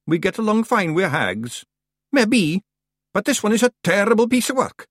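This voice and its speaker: A man voicing a tiny, rowdy blue Scottish warrior with broad excitable dialect, in an audiobook story. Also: high voice, normal speed, no room sound, studio quality, pitched above the performer's own voice. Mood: bickering.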